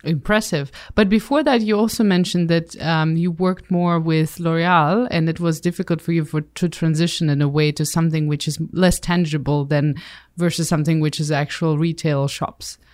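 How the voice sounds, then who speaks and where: A woman's voice: low voice, steady tone, normal speed, darkish tone, no echo. Podcast host woman in a dry studio. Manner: scripted intro, then conversational questions. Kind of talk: podcast interview. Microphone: studio microphone.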